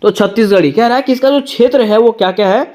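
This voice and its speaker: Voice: medium pitch, quick pace, darkish tone. A tutor giving an exam-prep lecture, asking rhetorical questions and answering them, repeating each point twice.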